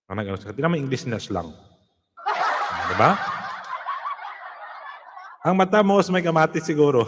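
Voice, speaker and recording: A man hosts a casual live stream, chatting with viewers and laughing easily. His pitch rises and falls a lot as he talks. The sound has a long, hall-like reverb. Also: big pitch swings, a little fast, long pauses, very noisy. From Philippines. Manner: chatty, reads out viewer comments and shout-outs, laughs often.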